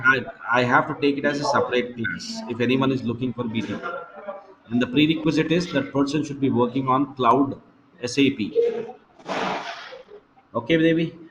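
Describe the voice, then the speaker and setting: A man with a South Asian accent explaining things to students in an online class, addressing them familiarly and repeating for emphasis. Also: mid-range voice. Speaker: online course trainer. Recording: muffled echoey online call with noise.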